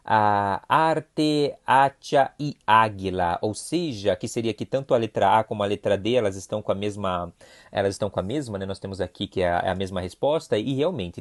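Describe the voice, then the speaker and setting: A man with a Brazilian Portuguese accent teaching a recorded Spanish review lesson, explaining patiently and often checking in with short questions. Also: lowish voice.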